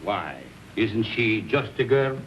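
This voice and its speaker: An actor with an Italian accent playing a boisterous, drunken army officer who teases, laughs and mocks in theatrical 1930s film style. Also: male voice, fairly low pitch, lively intonation, slow pace. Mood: drunk teasing. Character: boisterous drunken male officer, teasing and swaggering. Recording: muffled old film soundtrack with hiss.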